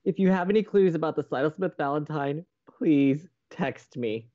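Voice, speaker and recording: A man playing an excitable, sweet young college radio co-host in an audio drama, eager and playful. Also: a little high, normal speed, muffled recording, close to an everyday voice. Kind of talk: naturalistic audio drama acting.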